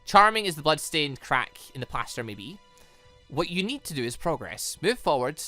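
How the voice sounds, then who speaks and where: Man voicing a smug, bright-voiced lecturing villain. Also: fairly high pitch, big pitch swings, faint music behind. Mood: pompous, lecturing. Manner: pompous, lecturing, deliberate. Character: smug, theatrical, condescending male villain in a lab coat.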